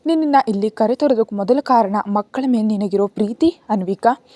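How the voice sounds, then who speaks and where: A woman's voice: mid-range voice, fairly quick, mellow, no echo, natural voice. Arjun, a stern young father, read by a woman. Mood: grave. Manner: curt, commanding. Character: stern wealthy young father, guarded and commanding.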